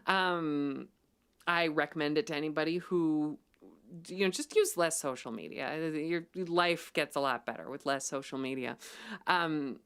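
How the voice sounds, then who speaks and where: Woman doing a chatty livestream, lowish smooth voice, lots of ums, gets pretty emphatic. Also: measured pace, a bit bright. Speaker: livestream host. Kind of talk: casual livestream chat.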